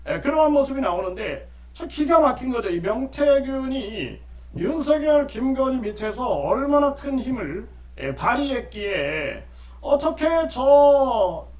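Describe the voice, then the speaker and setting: Middle-aged man, political commentary host; very high, animated voice; emphatic repeater; echoey, dull lo-fi recording. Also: unhurried. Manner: emphatic, repeats key phrases, frequent affirming fillers. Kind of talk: lecture-style political commentary. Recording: roomy echo, distant mic, dull lo-fi sound.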